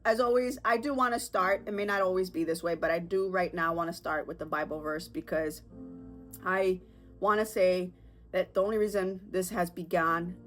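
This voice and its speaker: A woman's voice: on the low side, fairly even intonation, moderate pace, faint music behind. Congested woman chatting candidly on her podcast. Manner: candid, chatty, rambling with fillers and nervous laughs. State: congested, sick with a sore throat. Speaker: podcast host. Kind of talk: casual solo podcast talk.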